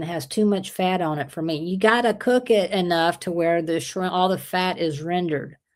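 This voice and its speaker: A woman's unremarkable speaking voice, fairly low in pitch, with ordinary pitch variation at a moderate pace. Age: 60s. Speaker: livestream host, diamond painting hobbyist. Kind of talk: casual chat, reading viewer comments.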